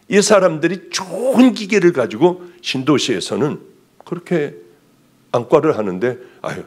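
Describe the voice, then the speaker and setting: A male pastor preaching a sermon, telling a personal testimony with animated storytelling and acted-out dialogue. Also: mid-range voice, husky.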